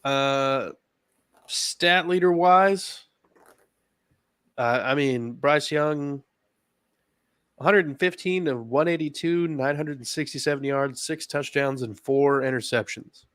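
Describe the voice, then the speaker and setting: A man's voice: mid-range voice, takes it slowly, pauses often, a bit bright, smooth, no room sound. Laid-back Southern man, dry close sound. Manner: laid-back, reads injury lists with hesitations. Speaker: podcast co-host. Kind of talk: casual sports chat.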